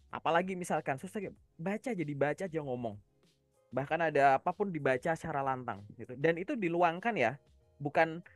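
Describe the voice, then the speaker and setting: A fairly high-pitched man from Java talks through advice in a relaxed coaching manner. He explains step by step and keeps checking whether the listener is following. The voice sits close and dry, with faint music underneath. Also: dry recording. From Java, Indonesia. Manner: explanatory, asks listeners rhetorical check-in questions. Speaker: career coach. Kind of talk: casual coaching talk.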